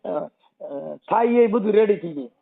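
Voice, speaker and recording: Man, high voice, Saurashtra Gujarati accent, outspoken and colloquial helpline adviser, thin phone-line sound. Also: lively intonation, slow pace, vocal fry. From Gujarat, India. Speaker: activist taking a help call. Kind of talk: informal phone counselling conversation. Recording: narrowband phone call audio.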